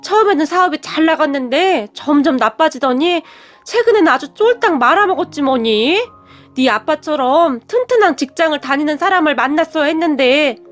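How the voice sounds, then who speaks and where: A woman's voice: high-pitched, expressive, faint music behind. A woman doing a pleading, destitute mother. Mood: self-pitying. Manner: pleading, slow and wheedling. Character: pleading destitute middle-aged birth mother. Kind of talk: storybook reading.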